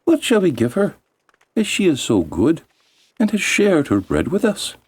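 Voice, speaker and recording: A man's voice: a little high, wildly swooping pitch, measured pace, slightly rough, dry recording, voice pushed up, heavily acted. A man voicing eager little elf men from a fairy tale, with a sing-song, exclaiming delivery. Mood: eager, curious.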